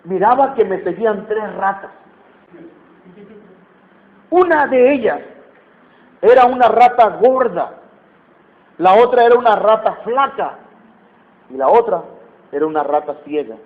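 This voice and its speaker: A Mexican man playing a frightened drunken father recounting a bad dream, speaking haltingly. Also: high voice, animated. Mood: uneasy. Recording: tinny phone-like sound.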